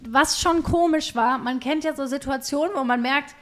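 A woman's voice: sits high, normal speed, fairly bright tone. A young woman co-hosting a podcast, casually telling personal stories in colloquial language. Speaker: podcast host. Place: recorded at a home.

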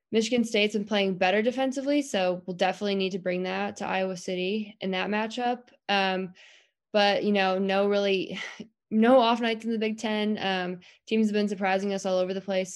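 A woman in her twenties co-hosting a basketball podcast, easygoing, laughing often and using many "um"s. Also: mid-range voice. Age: 20s. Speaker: co-host of a college basketball podcast. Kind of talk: casual sports podcast chat.

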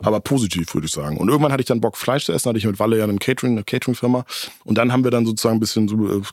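Restaurant guy rattling off stories quick, lots of ums, dry mic. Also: on the low side, darkish tone, dry recording. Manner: fast, loose storytelling with fillers. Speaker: guest, restaurant owner. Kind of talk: casual chat.

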